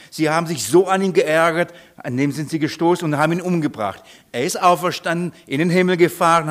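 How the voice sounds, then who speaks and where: Male preacher, lively sermon, questions to the listeners, fairly high voice. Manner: animated, repeats nonsense syllables to mimic foreign speech; asks the congregation questions.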